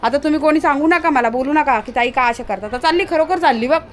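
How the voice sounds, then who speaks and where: A woman's voice: high voice, fast talker. A woman vlogging at night outdoors on a handheld phone, chatting to viewers and scolding and calling out to her dog. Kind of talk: casual vlog narration to viewers.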